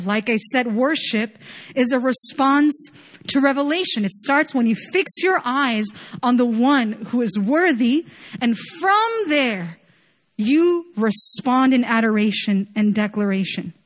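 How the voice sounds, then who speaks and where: A woman's voice: on the high side, slow pace. A young woman from Chile giving an earnest, conversational sermon, often dropping in casual fillers as she talks. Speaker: worship leader preaching.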